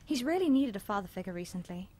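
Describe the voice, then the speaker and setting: A woman's voice: medium pitch, big pitch swings, fast, warm tone, slightly rough. A woman playing a doting, worried, middle-aged mother in an audio drama, fussing over her children. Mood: exasperated, trusting. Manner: fussing, concerned.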